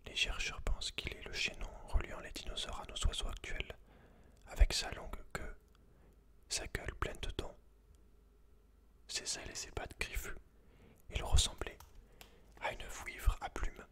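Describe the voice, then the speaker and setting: Whispering breathily without voicing, a male ASMR host reads aloud a little slowly, leaving long pauses. Now and then he drops informal, slangy comments straight to the listener.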